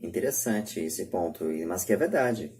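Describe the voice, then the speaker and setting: A woman's voice: extremely low pitch, expressive, normal speed, warm tone, soft background music. A Brazilian woman hosting a casual podcast debate, emphatic and often repeating or rephrasing her points. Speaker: podcast host.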